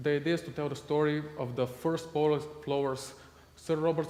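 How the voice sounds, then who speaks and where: A man with a Bulgarian accent, fairly high-pitched and monotone, with flat intonation, at a fairly quick pace amid noticeable background noise. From Bulgaria, Sofia. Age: 20s. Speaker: filmmaker. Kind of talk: project pitch presentation. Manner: halting, frequent self-corrections.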